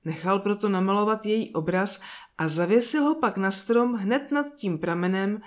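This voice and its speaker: A woman narrating a children's fairy tale in a calm, soft and slow reading voice. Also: mid-range voice. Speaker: storyteller. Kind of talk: scripted storybook narration.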